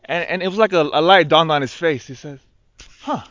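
A man's voice: fairly high pitch, fairly quick, a bit bright, no echo, lo-fi sound. A man speaking as a Catholic priest, giving liturgical readings and a homily in an intoned or conversational, rhetorical manner.

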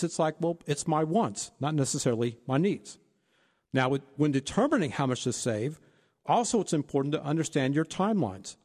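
A man's voice: fairly high pitch, long reverb tail. A man co-hosting a financial advice talk, laying out retirement planning points one by one. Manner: steady explanatory, lists points. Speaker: financial advisor co-host.

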